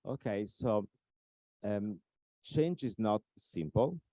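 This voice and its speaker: A man with an Italian accent explaining his ideas in an interview, pausing often on uhs and stressing his key points. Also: lowish voice, expressive, warm tone, no room sound. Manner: explanatory, many filler uhs, emphatic points. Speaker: author and expert speaker. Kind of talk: recorded interview talk.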